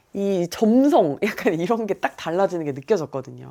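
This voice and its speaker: Her voice has a dark, mellow tone and a medium pitch. This woman speaks at a fairly quick pace. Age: 30s. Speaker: YouTuber. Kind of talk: casual chat. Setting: at home.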